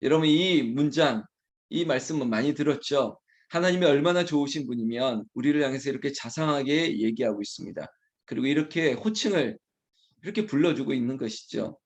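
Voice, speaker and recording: A man preaching an early-morning prayer sermon as pastor, talking to the congregation in an earnest way and slowing down when he quotes scripture. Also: mid-range voice, expressive.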